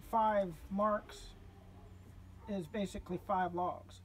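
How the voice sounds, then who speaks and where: A man's voice: high-pitched, fairly even intonation, takes it slowly, slight background noise. A man explaining his sawmill outdoors in a plain, hesitant way with many fillers. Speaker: sawmill owner. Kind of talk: casual explanation.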